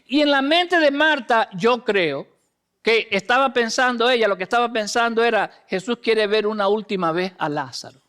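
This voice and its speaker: A man preaching a sermon as a pastor. He reads scripture, acts out the people in the story and moves between loud emphasis and hushed lines, with English fillers dropped into his speech. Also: sits high, moderate pace. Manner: acts out the voices of the people in the text.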